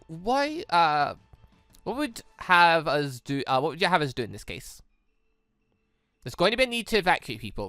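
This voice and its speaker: A let's play host reads out visual novel dialogue between casual, rambling asides, frequently repeating himself and rewording while he thinks. Medium pitch, no room sound, game music underneath.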